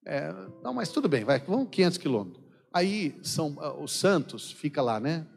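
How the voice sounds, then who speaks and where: With faint music behind him and the long reverb of a large church hall around him, a man preaches as a missionary, his accent Brazilian Portuguese from São Paulo state. He laughs often as he tells jokey stories and acts out the dialogue, in a fairly high, sing-song voice with vocal fry at a normal speed.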